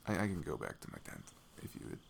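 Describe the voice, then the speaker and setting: A man playing a shy, affectionate young best friend in an intimate ASMR roleplay, speaking softly and haltingly with a giggly manner. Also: low voice, very animated, vocal fry, exaggerated voice. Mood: earnest, careful. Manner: halting, giggly, soft-spoken. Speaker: audio roleplay performer. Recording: faint noise, night crickets behind. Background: crickets and night insect ambience.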